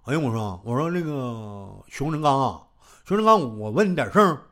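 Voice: sing-song, normal speed, fairly bright tone. A storyteller doing a tongue-tied pompous young noble. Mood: indignant. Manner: mumbling, stammering, slurred, low.

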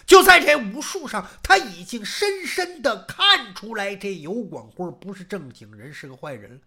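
A woman's voice: mid-range voice, sing-song, normal speed, fairly bright tone, slightly rough. A middle-aged woman telling a traditional story in a dramatic, emphatic style, often putting questions to her listeners.

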